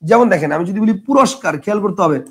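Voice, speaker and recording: A young man teaching an online grammar lesson, repeating words slowly and answering his own questions. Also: high-pitched, expressive, fairly bright tone, slightly rough.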